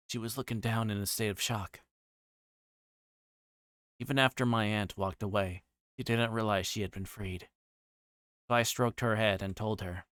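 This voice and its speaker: Low-voiced man reading a story aloud. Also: fairly bright tone, dry recording, studio quality. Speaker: livestreamer reading a visual novel aloud. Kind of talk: livestream read-aloud narration with casual asides.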